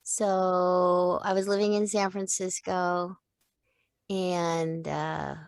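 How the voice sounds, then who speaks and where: A woman's voice: on the low side, little pitch movement, very slow, clean tone, dry recording. A woman in her fifties, a voice actor, telling long rambling stories in a casual interview, with many restarts and little quoted voices. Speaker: voice actor guest.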